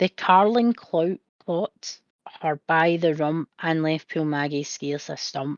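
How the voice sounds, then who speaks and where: Very slow and fairly even, a woman with a Scottish accent speaks at a fairly low pitch. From central Scotland. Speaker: podcast host. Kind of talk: reading aloud; casual chat. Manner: halting over dialect words.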